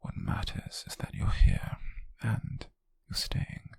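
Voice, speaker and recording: A British man playing a possessive, softly menacing rich captor in an intimate ASMR roleplay, murmuring in a breathy, husky voice with slow, coaxing deliberation. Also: dry recording, close to an everyday voice. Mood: possessive, tender menace. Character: possessive, softly menacing wealthy male captor, obsessive and doting. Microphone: close microphone, dry.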